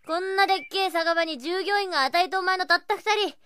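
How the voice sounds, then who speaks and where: A woman playing a brash, clumsy young tomboy brawler working as a maid, with rough, excitable slangy speech in anime-style radio drama. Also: extremely high pitch, quick pace, no room sound. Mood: grumbling.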